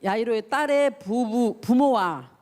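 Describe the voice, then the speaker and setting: A fairly high, darkish, expressive voice moves a little slowly as a woman youth pastor preaches to teenagers. She brings the story to life with feeling and character voices, and she asks her listeners questions point-blank.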